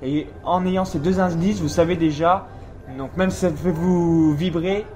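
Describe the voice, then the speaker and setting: Man, high voice, interview host, coaching tone, explains figures. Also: fairly even intonation, measured pace, dark tone, a little hiss or hum. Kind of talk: casual business interview. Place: seminar venue.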